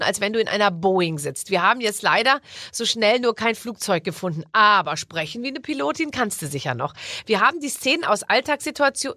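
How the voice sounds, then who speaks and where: A woman hosting a podcast in easy, playful chat. She jokes often, with a slightly high voice. The sound is close and dry. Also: no room sound. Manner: lively, joking, quick to laugh. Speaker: podcast host. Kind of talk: casual chat.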